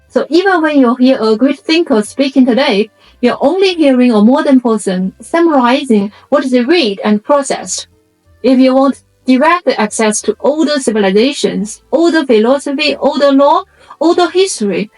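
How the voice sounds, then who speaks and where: A woman with a fairly high voice and a Chinese accent, a native speaker of a Chinese dialect, narrates a reflective essay. She explains in measured short phrases, with music playing behind her. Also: darkish tone, poor audio. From China. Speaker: video essay host.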